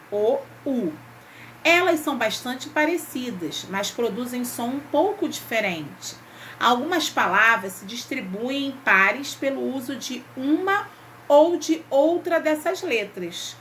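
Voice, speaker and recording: A woman's voice: fairly high pitch, pushed and bright, a little hiss or hum. A woman teacher, patiently guiding young pupils through a textbook exercise and often checking in with short questions. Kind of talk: remote Portuguese lesson, reading a textbook exercise.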